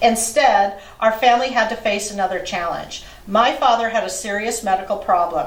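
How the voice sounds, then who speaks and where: A woman's fairly high voice at a fairly quick pace, over noticeable background noise. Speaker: heritage association president. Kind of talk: reading a memoir piece aloud.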